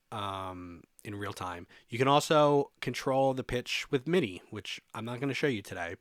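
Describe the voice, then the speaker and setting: A man's voice: on the low side, fairly bright tone, dry recording, clean studio sound. A man presenting a music production tutorial in an informal, conversational way, explaining things step by step.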